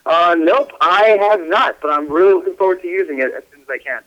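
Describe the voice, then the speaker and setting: High-voiced guy hosting a podcast, hypey and loose, muffled lo-fi sound. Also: animated, a little fast, sharp tone. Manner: hypey, loose, stumbles and restarts. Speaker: podcast host. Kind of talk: casual podcast chat. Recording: dull lo-fi sound.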